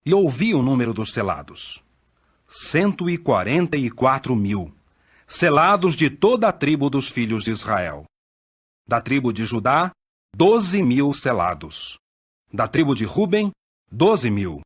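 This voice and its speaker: A man giving a solemn, declamatory scripture reading, measured, with dramatic swells. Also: medium pitch, big pitch swings, husky. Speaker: scripture reader.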